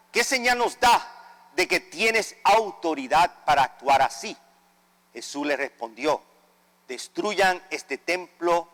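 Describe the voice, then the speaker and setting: A man's voice: fairly high pitch, a bit bright. A man, a priest, solemnly proclaiming scripture at Mass with occasional stumbles, in a large church with a long cathedral echo. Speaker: Catholic priest celebrating Mass. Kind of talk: liturgical Gospel reading.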